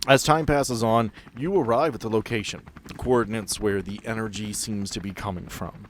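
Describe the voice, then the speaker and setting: A man's voice: fairly low pitch, normal speed, slight background noise. A man working as game master, narrating scenes in a tabletop roleplaying game.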